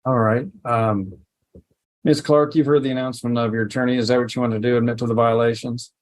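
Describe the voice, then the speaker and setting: A male judge with a mid-pitched voice presides over a hearing in a courtroom recording. He moves through procedure with short prompts and plain questions. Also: fairly even intonation, brisk.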